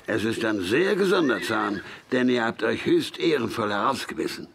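A man's voice: medium pitch, normal speed, creaky, husky, heavily acted. An actor playing a jovial old frontier gunsmith, hearty and teasing with his young friend. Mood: teasing, delighted. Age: older. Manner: hearty, teasing, rising excitedly. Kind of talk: radio play acting.

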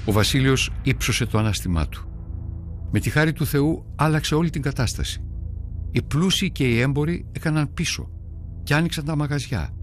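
An actor as a troubled, devout early Christian. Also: male voice, a little high, lively intonation, faint music behind, natural voice. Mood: earnest. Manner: earnest, prayerful, brooding. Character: troubled devout early-Christian man recalling hard times. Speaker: documentary narrator. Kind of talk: dramatized first-person documentary narration.

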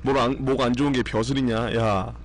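A man's voice: medium pitch, fairly even intonation, fairly quick, slight background noise. A man on a live stream with a strained, recovering voice, chatting in a rambling way with viewers, blunt and swearing now and then. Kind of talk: casual live-stream chat.

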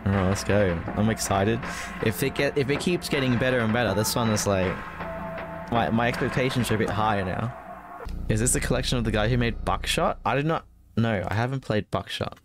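A young man doing casual, joking let's play commentary, thinking aloud as he plays. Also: lowish voice. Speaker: gaming YouTuber.

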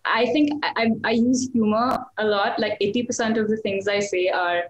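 Talking from a small room at home over a webcam video call, this young singer-songwriter speaks at a moderate pace with a medium-pitched voice. Her chat is casual and self-deprecating, packed with fillers and restarts, while the rough recording carries an echoey room.

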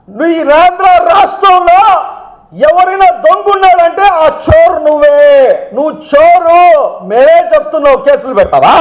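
Fiery high-voiced man. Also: low-quality recording. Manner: fiery, accusatory, mocking rhetorical questions. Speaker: political party spokesman. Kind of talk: press conference statement.

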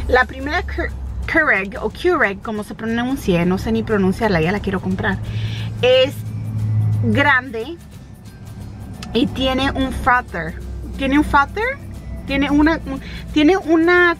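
A woman's voice: fairly high pitch, fairly bright tone. Chatty bilingual woman vlogger. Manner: chatty, switches into English phrases, talks straight to viewers. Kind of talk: casual vlog chat. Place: home and car, Michigan.

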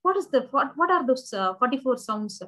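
A woman's voice: high-pitched, lively intonation, moderate pace, a bit bright. A young Indian woman whose first language is Tamil, giving a recorded university English lecture over slides, explaining patiently and rephrasing herself with many fillers.

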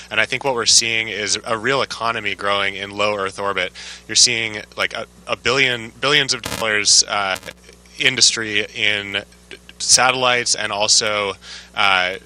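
A man's voice: lowish voice, bright, forceful tone, rough recording. A man, an astronaut, giving enthusiastic explanatory answers in an interview. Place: aboard a space station.

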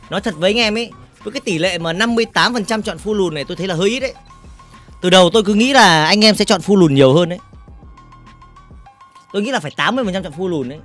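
A man livestreaming a game in casual chat, reading out viewer comments and teasing them, often repeating words in quick bursts. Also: high voice, a bit bright. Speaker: gaming livestreamer.

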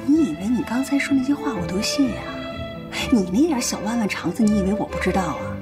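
A sharp-tongued wife who scolds and orders her husband about, her fairly high voice rising and falling a lot, played by an actress. Loud music plays under the scene. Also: animated, brisk, natural voice. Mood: scolding. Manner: scolding, curt. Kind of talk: TV drama acting.

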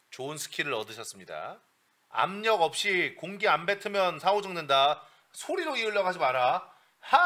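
A male vocal coach with a sharp tone gives a lesson in a blunt, bossy, joking style full of coarse slang. He breaks into breathy falsetto to demonstrate.

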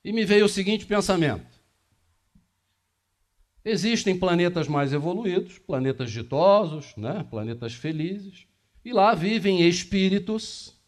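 A man in his fifties giving a spiritist lecture to a small audience, talking in a conversational way and putting questions to the listeners, recorded by a camera across a small meeting room. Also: a little high. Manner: conversational, asks the audience questions, gestures widely.

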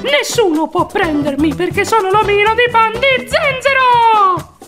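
A woman's voice: very high voice, a little slow, loud music behind the voice, pitched above the performer's own voice. A woman voicing a cheeky, boastful little gingerbread man in a storybook cartoon, taunting in a sing-song way. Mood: gleeful taunting.

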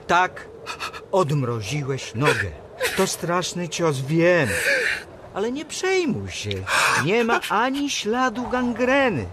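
Casting: take-charge stranded climber, blunt and exasperated, slightly high voice, noisy radio-drama backdrop. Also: male voice. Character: exasperated, blunt leader among stranded mountaineers.

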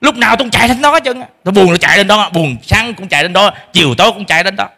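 A man's voice: high voice, racing, pushed and bright. A middle-aged man preaching a sermon as pastor, emphatic, acting out parents' complaints in a shifting voice. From Vietnam.

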